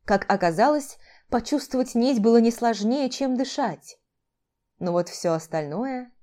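A woman narrating a fantasy audiobook in a measured, dramatic reading. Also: fairly high pitch, lively intonation, mellow.

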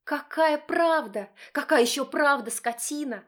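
A woman voicing a furious, hysterical wife who shrieks accusations in a raised, shrill voice. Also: a little slow. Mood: shrieking.

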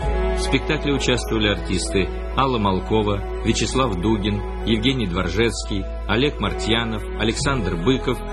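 A male radio announcer reading scripted credits in a formal announcing style. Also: fairly low pitch. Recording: clear music bed under the voice. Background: music.

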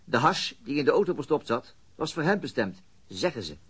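A man's voice: medium pitch, very animated, fairly quick, breathy edge. A man acting a weary, middle-aged police detective in a radio drama, explaining things methodically with small hesitations. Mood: matter-of-fact.

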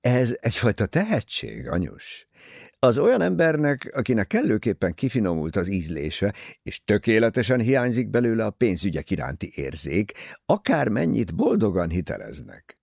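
A man voicing a teasing, easygoing young English gentleman talking with his mother in an audiobook. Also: on the low side, wildly swooping pitch, creaky, dry recording, clean studio sound, full character voice. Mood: wry teasing. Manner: wry, teasing.

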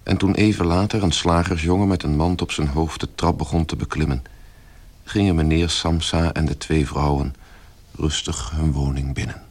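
A man narrating a radio drama from a script in a measured, literary manner. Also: extremely low pitch, fairly even intonation, darkish tone, husky.

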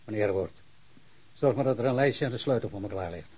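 An actor playing a patient, reassuring official in a radio drama, with a husky voice. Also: male voice, fairly low pitch, expressive, fast talker, mellow. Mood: soothing. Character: patient, reassuring male official calming a suspect. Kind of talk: naturalistic radio drama acting.

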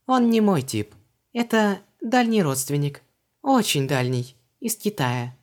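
A man voicing a flustered, talkative young woman in a high put-on voice. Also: very animated, measured pace. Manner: high, bright, breathless.

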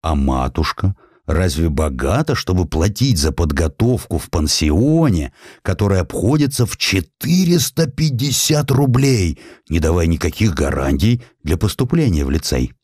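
A man's voice: sits low, sing-song, moderate pace, darkish tone, breathy edge, no room sound, clean studio sound, full character voice. A man voicing a stern school headmaster in an audiobook, reproachful and questioning. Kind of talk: audiobook character dialogue.

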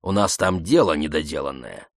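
A man's voice: a bass voice, expressive, normal speed, dry recording, studio quality, voice pushed down. A man voicing an easygoing adult man who jokes and teases in a friendly way. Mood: playful. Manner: playful, teasing.

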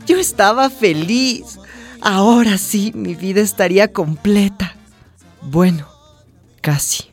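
A woman's voice: mid-range voice, slow pace, soft background music. An actress playing a young trans woman hairdresser who tells her life in a radio drama, tender and wounded. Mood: wistful, confiding. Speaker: narrator and lead of a radio drama. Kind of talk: radio drama acting and narration.

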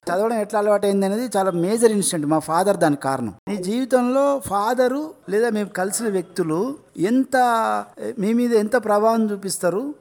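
A man with a Telangana Telugu accent, talking as an interview guest. He tells stories earnestly, acting out the old dialogue. His voice sits high for a man. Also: animated, moderate pace, darkish tone. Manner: earnest, anecdotal, recounts dialogue. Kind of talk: storytelling in an interview.

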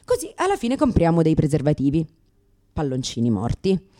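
Actress playing a brash, highly animated lesbian comedian. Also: female voice, normal speed. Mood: wry complaining. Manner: sardonic, exclamatory, crude, self-mocking. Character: brash, neurotic lesbian comedian facing unexpected motherhood. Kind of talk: theatrical comic monologue for radio.

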